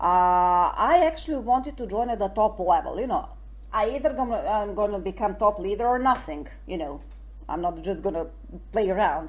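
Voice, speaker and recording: This speaker has a Serbian accent. Vocal fry runs through the voice. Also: woman, medium pitch for a woman, lively intonation, moderate pace. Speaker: network marketer. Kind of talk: interview testimony.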